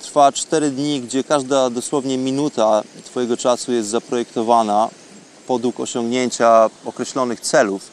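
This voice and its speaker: Man's halting spoken diary, faint background noise. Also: mid-range voice, fairly even intonation. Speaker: radio programme host. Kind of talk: unscripted spoken travel diary monologue.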